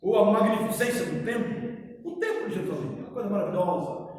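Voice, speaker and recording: A man with a Brazilian accent teaching a Bible study as a pastor, explaining terms patiently, checking in with his listeners, and reading scripture slowly. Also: high voice, darkish tone. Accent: Brazilian Portuguese. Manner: reads scripture slowly and deliberately. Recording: echoey hall, mic far off.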